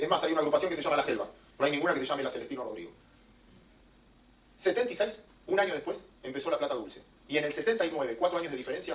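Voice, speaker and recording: A man with an Argentine accent lectures an audience on economics at a racing pace, his voice sitting slightly high. He is emphatic and jokes with the crowd. The sound comes from a distance in a reverberant room. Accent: Argentine Spanish. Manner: rapid, emphatic, joking with the audience. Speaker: economic speaker. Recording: echoey room, mic at a distance.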